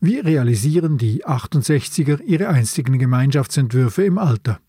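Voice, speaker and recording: A man's voice: medium pitch, sing-song, normal speed, warm tone, breathy edge, no echo, clean studio sound. A man hosting a film podcast, presenting from a script. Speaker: podcast host.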